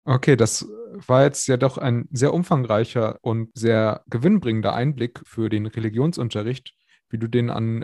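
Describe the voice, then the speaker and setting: Male podcast host, friendly, casual, mellow tone, dry close mic. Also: medium pitch, dry recording. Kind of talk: podcast interview.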